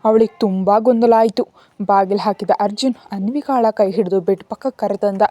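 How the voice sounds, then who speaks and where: A woman narrating a serialized story in a steady, even storytelling manner. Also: medium pitch, normal speed, dry recording.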